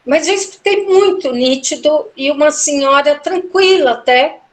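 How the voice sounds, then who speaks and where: High-voiced woman telling a story. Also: normal speed. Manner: animated, acts out quoted dialogue with big pitch jumps. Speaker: interview guest, tarot reader. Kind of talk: emotional personal storytelling.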